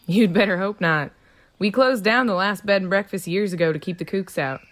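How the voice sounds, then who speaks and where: An actress playing a folksy, teasing small-town matriarch in an audio drama, blunt and familiar with pet names. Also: female voice, mid-range voice, normal speed, no echo, natural voice. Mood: breezy, teasing.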